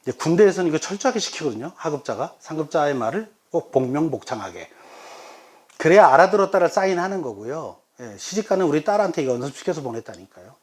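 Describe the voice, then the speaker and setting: A man's voice: fairly high pitch, quick pace. A middle-aged man, a pastor, giving a workshop lecture on coaching and often acting out example conversations. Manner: animated, acts out quoted voices of children and elders. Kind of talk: lively lecture with acted example dialogues.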